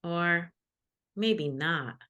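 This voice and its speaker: A woman's voice: lowish voice, extremely slow, sharp tone. Woman author on a picture-book read-aloud. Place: live video call.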